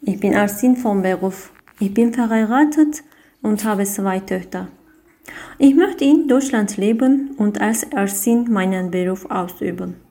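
A woman's voice: medium pitch, dark tone. A woman from Turkey, a language learner, speaking carefully as if reading aloud.

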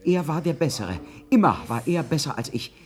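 A desperate dreamer pleading. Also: male voice, on the high side, sing-song, moderate pace. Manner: pleading, urgent. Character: agitated young man reliving a feverish dream. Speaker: protagonist. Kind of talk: 1970s radio drama acting.

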